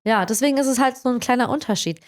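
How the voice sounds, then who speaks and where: A woman's voice: fairly high pitch, very fast. A woman interviewing a colleague in a casual chat, talking freely and often ending with tag questions. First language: Croatian. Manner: chatty, frequent tag questions "ne?".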